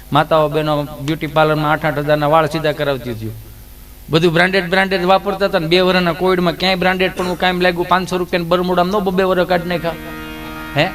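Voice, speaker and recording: A man's voice: on the high side, fairly bright tone. A male comedian, telling folk comedy stories and throwing rhetorical questions at the audience. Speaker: stand-up comedian.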